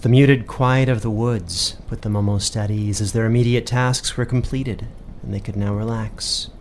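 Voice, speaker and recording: A man's voice: on the low side, fairly even intonation, normal speed, slight background noise. A man working as game master, reading dramatic scripted fantasy-horror narration. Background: music.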